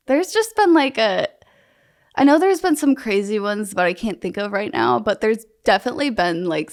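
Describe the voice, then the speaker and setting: A young woman talking casually as an interview guest, loose and chatty with frequent "like" and "um" fillers. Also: medium pitch. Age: young adult. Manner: chatty, loose, heavy use of "like" and "um".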